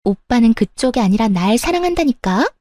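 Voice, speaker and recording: A woman's voice: fairly high pitch, very animated, fairly quick, mellow, no room sound, studio quality. A woman putting on a brazen young mistress. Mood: smug.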